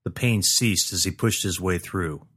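A man giving a steady scripted narration of a fantasy story. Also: deep voice, unhurried, breathy edge. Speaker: audiobook narrator.

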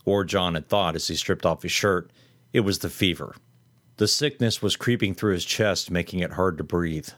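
A man reading a horror story aloud in steady, measured scripted narration. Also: low voice, no echo.

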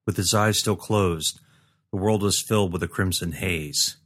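A man giving a steady scripted narration of a fantasy story. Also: sits low, a little slow. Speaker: audiobook narrator.

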